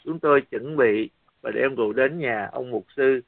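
A man preaching a sermon as lively storytelling, acting out the dialogue of the story. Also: mid-range voice, normal speed, gravelly, no echo. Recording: dry, tinny phone-like sound.

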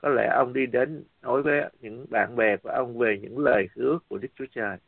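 A man preaching a sermon as lively storytelling, acting out the dialogue of the story. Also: medium pitch, a little fast, gravelly, breathy edge, no room sound. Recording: dry, tinny phone-like sound.

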